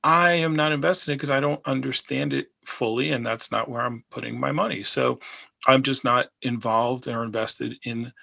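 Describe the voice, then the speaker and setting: A man's voice: medium pitch, steady tone, normal speed, gravelly, bright, forceful tone. A man hosting a personal finance video, talking casually and rambling, with many fillers and repeated phrases. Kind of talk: casual talk to camera.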